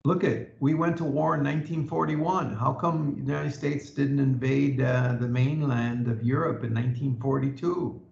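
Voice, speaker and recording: A man with a gravelly, creaky voice tells history as an emphatic storyteller on a podcast. His voice comes through dull, lo-fi audio in an echoey room. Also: medium pitch, normal speed, few pauses. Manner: emphatic storyteller, quotes historical figures in lively asides. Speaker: podcast co-host and author. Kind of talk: conversational history discussion.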